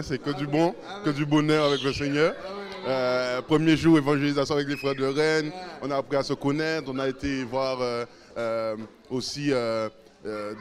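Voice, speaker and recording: A man interviewed about a church gathering, speaking fervently with repeated phrases and fillers. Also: fairly high pitch. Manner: fervent, repetitive. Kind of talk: spontaneous testimony.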